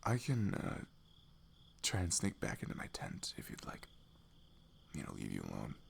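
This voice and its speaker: A man's voice: sits low, wildly swooping pitch, normal speed, gravelly, slight background noise, full character voice. A young American man playing a goofy, affectionate best friend in an intimate ASMR roleplay, chatting in a rambling, self-deprecating way. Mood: relaxed, chatty. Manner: rambling, giggly, self-deprecating, drops into murmurs.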